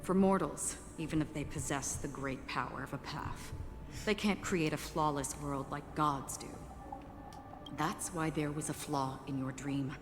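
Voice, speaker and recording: An actress playing a composed, solemn woman in a video game, speaking in measured, formal lines. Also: deep voice, fairly even intonation, big-room sound, music in the background. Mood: solemn, explaining. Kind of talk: scripted game dialogue.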